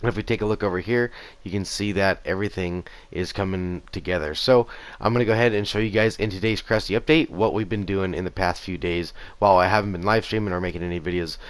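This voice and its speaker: A man in his thirties narrates his gameplay in an easygoing, rambling way, his voice raspy and a touch low. The sound is close and dry, picked up by a headset mic in a small home room. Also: steady tone, quick pace, dry recording. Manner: easygoing, rambling with fillers and restarts. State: raspy voice after a concert. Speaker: gaming channel host. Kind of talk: casual gameplay commentary. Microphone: gaming headset.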